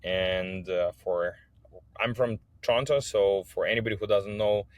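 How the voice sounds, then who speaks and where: A man's voice: fairly low pitch, unhurried, no room sound. A man from Kazakhstan, an English speaker telling his personal story as a podcast guest. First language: not English. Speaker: podcast guest, business owner.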